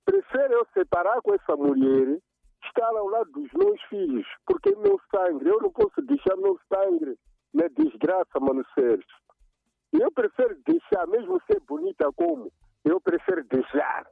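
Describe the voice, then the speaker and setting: A man's voice: extremely high pitch, huge pitch swings, moderate pace, vocal fry, dry recording. Emphatic male caller on phone line. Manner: emphatic, repetitive, preachy. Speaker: radio caller. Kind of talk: phone-in call.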